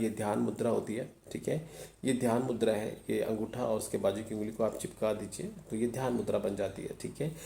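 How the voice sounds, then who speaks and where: Gravelly-voiced man teaching meditation. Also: medium pitch. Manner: calm, explanatory, often checking in with the listener. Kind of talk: instructional talk on meditation.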